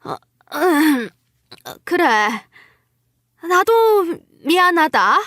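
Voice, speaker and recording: A woman's voice: extremely high pitch, sing-song, very slow, fairly bright tone, no echo, studio quality, voice pushed up, heavily acted. Woman acting a wheedling, scheming older mother-in-law. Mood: grudging apology. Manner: wheedling, condescending.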